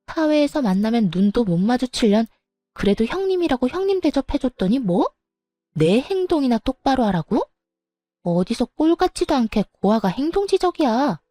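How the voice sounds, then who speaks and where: A woman's voice: high voice, very animated, moderate pace, dark tone, no echo, faint music behind, pitched above the performer's own voice. A woman voicing a quarrelsome younger sister-in-law who hurls insults. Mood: sneering.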